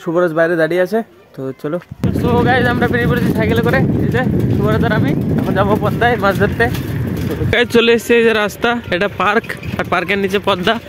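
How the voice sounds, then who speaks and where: A man's voice: high-pitched, steady tone, quick pace, heavy background noise. A man chatting casually to the camera while walking outdoors by a river. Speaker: vlogger. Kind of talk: casual outdoor vlog narration.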